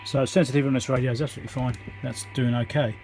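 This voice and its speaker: A man's voice: medium pitch, fairly even intonation, rapid-fire. Man, repair presenter, casual workbench talk, lots of ums, noisy room. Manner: thinks aloud with many ums, counts into the mic. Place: home workbench indoors.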